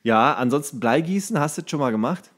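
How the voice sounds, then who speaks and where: A man's voice: mid-range voice, lively intonation, quick pace, a bit bright. A man in his thirties co-hosting a casual podcast chat, laughing often and stumbling and correcting himself as he reads aloud. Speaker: podcast co-host.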